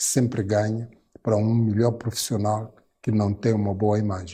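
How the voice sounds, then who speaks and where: Somewhat breathy, a man speaks at a medium pitch and a fairly slow pace in a dark, mellow tone. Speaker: podcast host. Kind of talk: interview podcast commentary.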